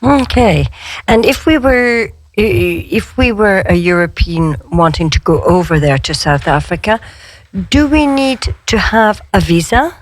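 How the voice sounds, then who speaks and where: A woman who teaches English hosts a conversational lesson show on the radio. Her medium-pitched voice has lively intonation and a slightly slow pace, with no echo. She's chatty and curious, asking questions in simple, reassuring phrases.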